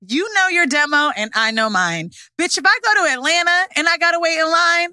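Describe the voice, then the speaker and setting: A woman's voice: very high-pitched, animated, brisk, sharp tone, dry recording, clean studio sound. A young woman chatting casually as a podcast guest, blunt and slangy with plenty of swearing. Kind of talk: casual chat.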